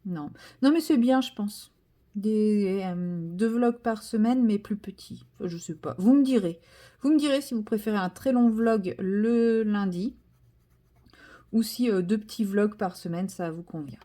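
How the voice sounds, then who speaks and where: A woman's voice: mid-range voice, a little slow, warm tone. A woman vlogging casually from home, chatty and hesitant with many fillers and self-corrections, turning enthusiastic as she shows a craft kit. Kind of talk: casual vlog chat.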